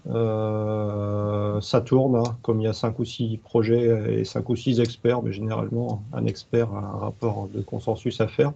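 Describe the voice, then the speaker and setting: Man, gravelly, hesitant webinar panelist, lo-fi call sound. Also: lowish voice, level tone, a little slow, hardly any pauses, warm tone. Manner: hesitant, many restarts and fillers. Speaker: expert evaluator panelist. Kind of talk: webinar discussion.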